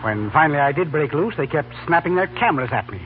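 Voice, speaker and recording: A man's voice: on the high side, expressive, quick pace, lightly acted. An actor playing an indignant, sputtering middle-aged father in a 1930s radio comedy. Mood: flustered, indignant. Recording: tinny, noisy 1930s radio recording.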